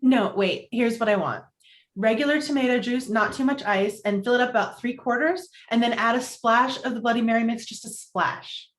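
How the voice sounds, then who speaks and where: A woman's voice: fairly high pitch, normal speed, natural voice. A woman playing Sally, a fussy, wry and skeptical young journalist, in a table read of a romantic comedy script. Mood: fussy, particular. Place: indoor room, virtual table read.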